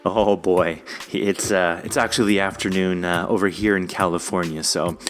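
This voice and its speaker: A man's voice: low-pitched, steady tone, moderate pace, soft background music. A middle-aged American man hosting a podcast, chatting casually as he interviews a guest. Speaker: podcast host.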